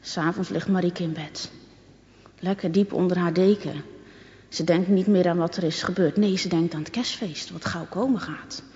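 A woman reading a children's story aloud in a lively, expressive way. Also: lowish voice, normal speed. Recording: echoey, dull recording.

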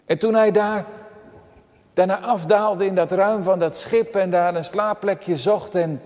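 Earnest Dutch-speaking preacher in a reverberant church. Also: male voice, high-pitched, fairly even intonation, unhurried, darkish tone. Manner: earnest, with dramatic swells and drops to near silence. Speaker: pastor. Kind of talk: sermon. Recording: dull recording with long church reverb.

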